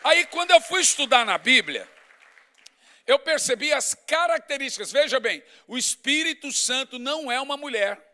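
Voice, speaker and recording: A middle-aged pastor delivers a sermon in an easy, conversational style, pressing his points through repetition. His voice sits high for a man and sounds bright and tense. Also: lively intonation, normal speed, a faint crowd. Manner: conversational, emphatic preaching with lists and asides.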